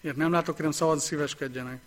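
A man chairing a local council meeting, calling items and announcing vote results in a brisk, procedural way. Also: on the high side, steady tone.

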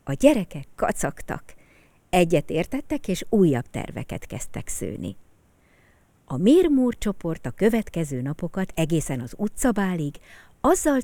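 A woman narrating a children's story in a soft, expressive way. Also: lowish voice, no echo.

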